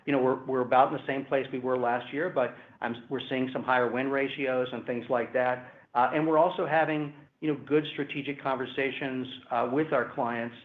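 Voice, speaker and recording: A man speaking as a company executive, giving measured, hedging answers on an earnings call. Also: medium pitch. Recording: roomy, phone-like conference call line.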